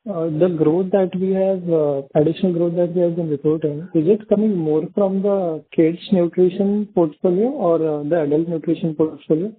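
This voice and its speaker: A man's voice: sits high, steady tone, normal speed, few pauses, breathy edge. A man asking polite questions as an analyst on a call. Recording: narrow telephone line.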